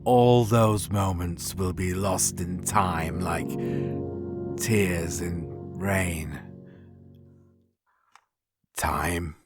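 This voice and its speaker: A man playing a weary, dying android soldier, speaking huskily in a halting, solemn, elegiac science fiction monologue. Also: sits low, steady tone, over music. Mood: wistful, resigned.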